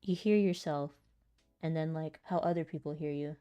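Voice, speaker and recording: A woman with a small, light voice, chatting casually and thinking out loud between practice lines, giggly and self-deprecating. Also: sits low, normal speed, clear, resonant tone, no echo, soft background music. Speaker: aspiring voice actor and content creator. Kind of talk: casual vlog talk while practicing voice lines.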